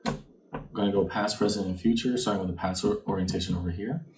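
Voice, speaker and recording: A man's voice: deep voice, steady tone, fairly quick. A man giving a conversational fortune-teller card reading, reflective and speaking straight to the listener with rhetorical questions. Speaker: tarot card reader, channel host. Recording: distant mic, faint background noise.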